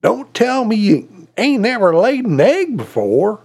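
A man's voice: high voice, big pitch swings, measured pace, darkish tone, husky, pitched above the performer's own voice, full character voice. A man voicing a swaggering male rooster in a spoken joke, with a folksy drawl. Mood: coaxing.

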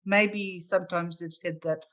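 An Australian woman author, a guest on a video call, who talks in a lively way and laughs readily. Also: lowish voice, a little slow. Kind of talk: casual interview chat.

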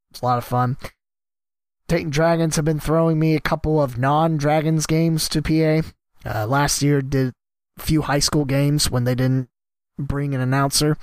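A man, hosting a solo podcast and rambling casually about announcing gigs, his voice a bit worn from a cough and trailing off quietly at the ends of thoughts. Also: mid-range voice, smooth, no echo. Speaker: podcast host and sports announcer.

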